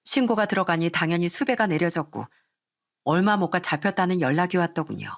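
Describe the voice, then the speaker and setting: A woman reading a first-person story aloud in calm, scripted radio narration. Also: lowish voice, a little fast. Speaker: story reader.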